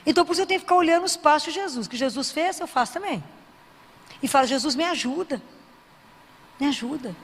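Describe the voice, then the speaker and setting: A woman preaching with a high voice, asking her listeners question after question. Her words ring with a long reverb through a large hall. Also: lively intonation, rapid-fire. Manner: asks the audience questions, acts out prayers in a softer voice. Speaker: Christian speaker. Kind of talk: sermon.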